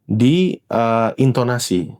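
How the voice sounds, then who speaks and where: A man's voice: mid-range voice, expressive, slow, a little mellow. A middle-aged man, a company head explaining linguistics in an interview, lecturing steadily with many "eh" fillers and a tag "ya". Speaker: CEO guest explaining language learning.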